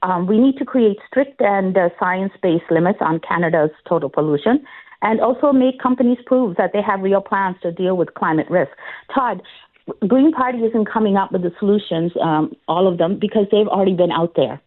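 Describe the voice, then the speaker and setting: A woman's voice: mid-range voice, moderate pace. A woman candidate makes her case over a tinny phone line, her voice squeezed into a narrow band. She speaks earnestly and in a campaigning tone, stopping often to restart her sentences and fill the gaps. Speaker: political candidate guest. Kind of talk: phone interview on talk radio.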